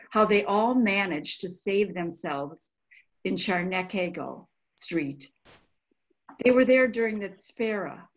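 An older woman gives a dramatic, emotional, halting reading of a diary. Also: on the high side. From United States. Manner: emotional, halting, sighing delivery. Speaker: volunteer diary reader. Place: indoor room by a window.

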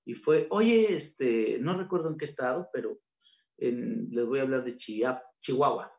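Animated Mexican man giving a talk. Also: medium pitch, a little slow. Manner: colloquial, animated, acts out quoted voices. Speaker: conference speaker, gastronomy researcher. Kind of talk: informal conference talk. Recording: dull lo-fi recording.

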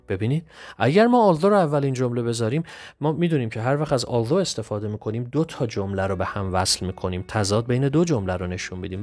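A man teaching English grammar through an exam walkthrough. He is methodical and reads the English examples out slowly and clearly. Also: mid-range voice, a little mellow.

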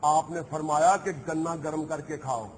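High-voiced mocking preacher. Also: male voice, a little hiss or hum. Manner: mocking, animated storytelling with quoted dialogue. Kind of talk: storytelling sermon.

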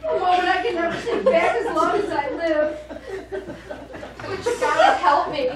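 A woman's voice: very high-pitched, animated, moderate pace, crowd noise. A woman acting on stage as a distraught, jealous ventriloquist, melodramatic and pleading, in a live comedy play. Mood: anguished pleading. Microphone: far camera. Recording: distant, echoey, noisy theatre recording.

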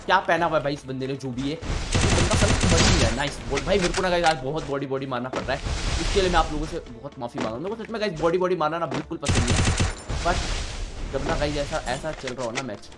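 A young gaming YouTuber with an Indian Hindi accent and a sore throat narrates his own gameplay at a quick pace, mostly speaking softly to spare his throat but yelping loudly whenever something surprises him. He is excitable, and the very noisy recording carries game music and gunfire behind him.

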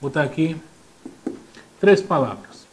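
A man's voice: on the high side, a little slow, slight background noise. A young man teaching a classroom lecture, joking and acting out little voices. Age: young adult. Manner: jokey and animated, acts out voices.

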